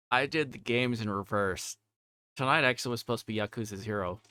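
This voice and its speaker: Over game music, a livestreamer playing a visual novel rambles through casual chat and story reading in a flustered, self-interrupting way. He has a medium-pitched, smooth voice with a sharp tone, captured in clean studio sound with no echo.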